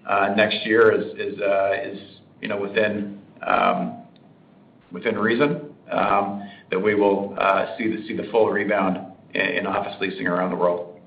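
Male executive, stiff and hesitant, lower-pitched, on a roomy speakerphone conference call. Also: flat delivery, vocal fry, highs cut off. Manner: stiff, halting, careful corporate delivery. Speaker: company executive on an earnings call. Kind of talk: answering analyst questions on a conference call.

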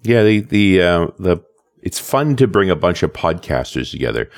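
A man's voice: low-pitched, big pitch swings, moderate pace. A man co-hosting a podcast in a casual, thoughtful chat, reading listener comments and musing on communication. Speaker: podcast co-host.

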